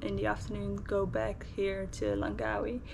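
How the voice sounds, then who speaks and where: This woman keeps a moderate pace as noticeable background noise sounds behind her. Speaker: travel vlogger. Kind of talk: casual vlog chat. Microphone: phone near.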